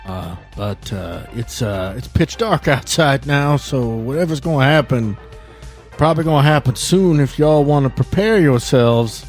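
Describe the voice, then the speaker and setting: A man voicing a weary, injured man with a halting, folksy manner in a tabletop roleplay. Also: mid-range voice, expressive, darkish tone, faint music behind, voice pushed up. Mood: weary, welcoming.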